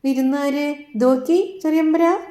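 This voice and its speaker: A woman's voice: high-pitched, steady tone, a little slow, warm tone, reverberant, pitched above the performer's own voice. A woman voicing a humble, deferential male farm servant with old-fashioned speech.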